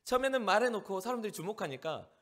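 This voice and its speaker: A man from Jeolla, South Korea, preaching as a pastor at a youth service, animated and acting out the people he describes. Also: high-pitched, quick pace. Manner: animated, acts out the lines of the people in the story.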